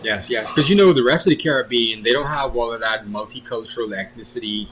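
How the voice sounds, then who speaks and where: A man's voice: mid-range voice, quick pace, fairly bright tone, slight background noise, poor audio. A man hosting a conversational interview, speaking emphatically as he introduces and questions his guest. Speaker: interviewer, host.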